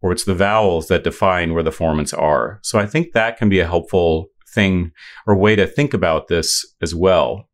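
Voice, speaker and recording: A man's voice: low-pitched, normal speed. A middle-aged man explaining voice science in an interview, thoughtful, with many fillers and restarts. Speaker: voice science expert.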